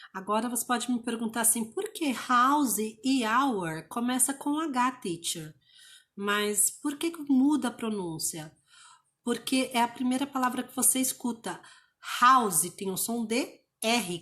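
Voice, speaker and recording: A woman from Brazil teaching an online English lesson, explaining pronunciation rules patiently and repeating example words slowly. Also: medium pitch, fairly bright tone.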